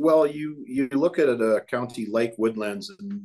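A man speaks with a Canadian accent. His intonation is lively. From Canada (Alberta). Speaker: municipal official. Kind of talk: interview. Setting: video call. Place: office. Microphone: video call.

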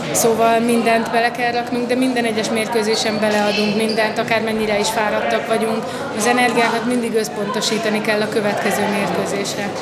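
Over loud background noise, a woman speaks at a moderate pace with hardly any pauses. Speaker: handball player. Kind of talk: post-match interview. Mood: calm, a bit disappointed. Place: hall.

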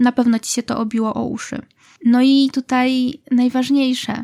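The voice has a dark, mellow tone and monotone, flat intonation, moving at a moderate pace in a dry, close sound with no echo. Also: woman. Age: 20s. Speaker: book podcaster. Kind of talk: book review monologue.

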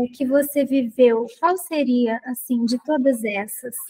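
The setting is quiet. A woman talks very slowly. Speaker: dance program host. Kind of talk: online interview program. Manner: formal.

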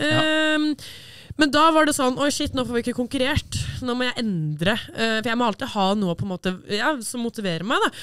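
Speaking at a fairly quick pace, a woman uses a high voice that swings very widely in pitch. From Norway, Østfold/Akershus area. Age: 20s. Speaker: powerlifter. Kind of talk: casual chat.

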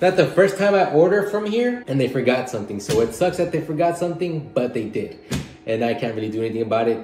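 A man talks at a very fast pace in a room with audible echo and light background noise. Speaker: food challenge vlogger. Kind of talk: casual vlog chat. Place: home room. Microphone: camera far.

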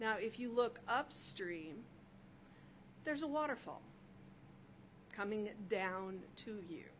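A woman speaks at a very slow pace, with long, frequent pauses and lively intonation. Her tone is gentle and soothing over light background noise. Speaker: minister leading a meditation. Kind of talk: guided meditation. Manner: slow, soothing, calm; gentle, inviting. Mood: calm, soothing. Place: church. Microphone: podium.

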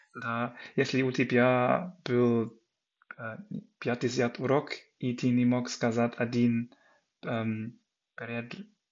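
A man with a German accent speaks at a very slow pace with fairly even intonation and long, frequent pauses, over a quiet background. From Germany. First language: German (speaking Russian). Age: 30s. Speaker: accountant, language learner. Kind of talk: interview. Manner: halting, many fillers. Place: home room. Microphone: video call.

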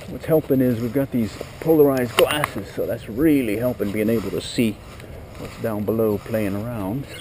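Noticeable background noise sits behind a man whose delivery has ordinary pitch variation and a moderate pace. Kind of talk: casual fishing commentary. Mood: relaxed, pleased. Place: waterside. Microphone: phone near.

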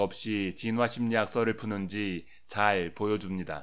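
A man with an ordinary speaking voice, fairly low in pitch, at a fairly slow pace with ordinary pitch variation and a quiet background. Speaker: science commentator. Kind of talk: scripted narration. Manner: formal.

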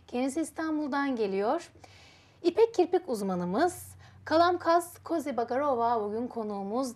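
A woman's lively intonation at a moderate pace. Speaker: TV talk show host. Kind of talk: TV interview. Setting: TV studio. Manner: formal. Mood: warm, smiling. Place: studio.

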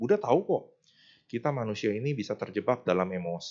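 A man talks at a fairly quick pace, his pitch swinging very widely. The background is quiet. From Indonesia. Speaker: Buddhist teacher giving a dharma talk. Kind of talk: sermon. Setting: temple with live audience. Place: hall. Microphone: handheld.

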